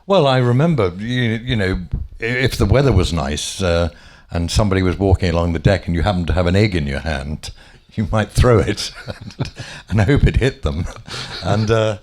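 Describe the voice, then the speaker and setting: A man's voice: deep voice, normal speed, a little mellow. An older man being interviewed, reminiscing casually with frequent chuckles, hesitations and restarts. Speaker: former offshore radio DJ, guest.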